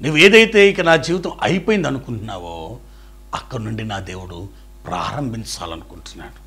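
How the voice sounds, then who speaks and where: A male pastor preaching a sermon, swinging between loud declarations and hushed pleading, and speaking straight to the listener as a dear friend. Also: fairly low pitch, animated, a little fast, husky.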